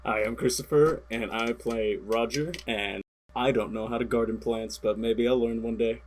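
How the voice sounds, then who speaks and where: A man's voice: mid-range voice, fairly even intonation, moderate pace. A man chatting casually and jokily on a video call, with a noisy, clicking microphone. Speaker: podcast voice actor. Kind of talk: casual joking chat.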